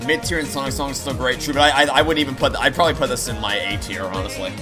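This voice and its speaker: A man's voice: mid-range voice, quick pace. Rambling man streaming over game music. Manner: rambling, repeats and restarts phrases. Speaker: video game streamer and host. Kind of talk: casual live playthrough commentary, chatting with viewers. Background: video game song playing behind the voice.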